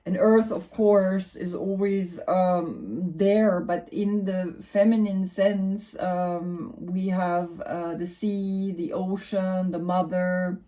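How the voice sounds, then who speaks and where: A woman with a German accent, explaining tarot cards in a relaxed, musing way, with lots of fillers and tag questions. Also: lowish voice, takes it slowly, few pauses. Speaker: tarot reader and yoga teacher. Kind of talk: casual explanatory talk about tarot cards.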